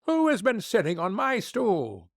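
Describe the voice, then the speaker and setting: Fussy little dwarfs asking indignant questions one after another, as a man reading a storybook puts them on. The voices sit higher than his plain narration and move slowly and deliberately. The recording is dry and close. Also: huge pitch swings, no echo, exaggerated voice. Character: seven little male dwarfs, fussy and puzzled.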